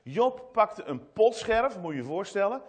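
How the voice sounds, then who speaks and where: A man giving an animated children's sermon in church, retelling a story with many restarts and asides. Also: high-pitched, measured pace, slightly rough. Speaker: preacher speaking to children.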